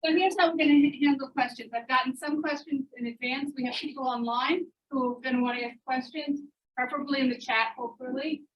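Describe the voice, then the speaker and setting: High-voiced woman moderating a meeting. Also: fairly even intonation, fast. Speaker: moderator of a town hall. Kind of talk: informal event moderation. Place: indoor community meeting room. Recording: muffled, distant room microphone.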